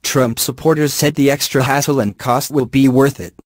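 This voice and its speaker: A man reading a news article aloud in a flat, even way, with odd slips in the wording. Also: mid-range voice, normal speed, no echo, studio quality. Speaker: news reader.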